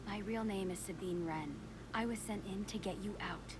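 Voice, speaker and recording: A woman playing a confident young undercover rebel in an animated series, brisk and self-assured. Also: mid-range voice, natural voice. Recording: music under dialogue.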